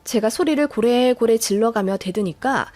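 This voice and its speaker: A woman's voice: fairly high pitch, normal speed, darkish tone. A woman narrating an emotional first-person family story with indignation. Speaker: story reader.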